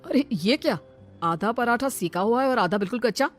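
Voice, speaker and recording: A woman doing a fussy older father-in-law in a cartoon, scolding and greedy. The voice is moderately high, with faint music under it. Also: expressive, brisk, natural voice.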